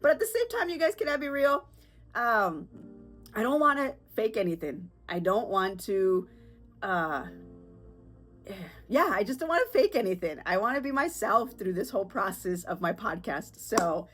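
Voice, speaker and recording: Though congested and sore-throated, this podcast host is very animated, talking at normal speed in a mid-range, fairly bright but husky voice over faint music. Her casual solo talk is candid and chatty, full of fillers and nervous laughter.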